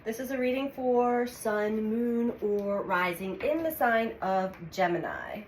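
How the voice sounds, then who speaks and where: Sniffly woman reading tarot in an echoey room. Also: on the high side. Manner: calm, unhurried, speaks with pauses while drawing cards. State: congested from a cold. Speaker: tarot reader. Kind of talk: weekly astrology tarot reading. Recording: echoey room with audible background noise.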